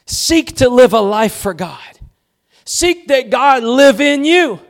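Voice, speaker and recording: A man's voice: very high-pitched, lively intonation, slow pace, creaky. A male pastor preaching a sermon in a church, with emphatic repeated cadences and rhetorical questions.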